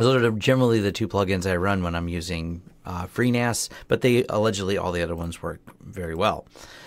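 At a fairly quick pace, a man talks in a plain, everyday voice, fairly low in pitch with ordinary pitch variation. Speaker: tech channel host. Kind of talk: tutorial commentary. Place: home room.

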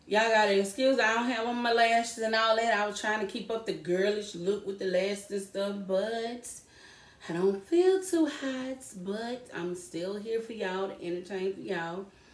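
Audible room echo surrounds speech with ordinary pitch variation at a moderate pace. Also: woman. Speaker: food vlogger. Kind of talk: casual vlog chat. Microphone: camera far.

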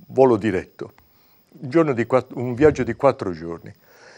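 Lively intonation and a fairly quick pace stand out against a quiet background. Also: man. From Southern Italy, Reggio Calabria; Calabria, Italy. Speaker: journalist, war correspondent. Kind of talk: TV interview. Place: studio. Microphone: lapel.

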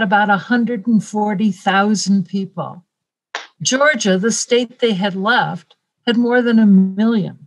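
A somewhat breathy woman at a very slow pace, quiet background. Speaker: book discussion leader; presenter. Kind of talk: moderated book discussion. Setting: video call. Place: home room. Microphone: video call.

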